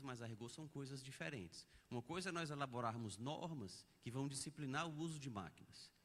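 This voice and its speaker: A man's voice: medium pitch, a bit bright. A man with a Brazilian Portuguese accent giving an academic lecture at a conference, explaining ideas step by step with examples. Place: conference auditorium. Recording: long reverb of a lecture hall.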